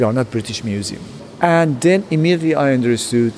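Over noticeable background noise, a man with a Persian accent talks with ordinary pitch variation. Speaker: museum curator and anthropology professor. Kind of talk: interview. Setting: at the exhibition.

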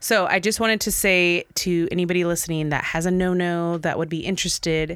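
On a very clean recording with a silent background, a woman talks at a moderate pace in a fairly low pitch. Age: 30s. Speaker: podcast co-host. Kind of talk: casual chat. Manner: animated.

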